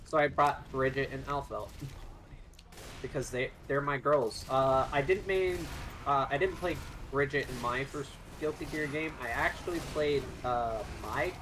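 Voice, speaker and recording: A gamer in casual voice chat, excitable and gushing, laughing often. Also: medium pitch, measured pace, a little hiss or hum. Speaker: gamer chatting while playing.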